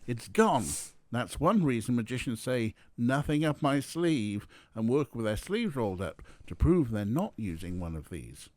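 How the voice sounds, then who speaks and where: A man's voice: medium pitch, big pitch swings, a little slow. A man voicing a confident girl magician in a storybook, giving assured, matter-of-fact instructions. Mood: explaining.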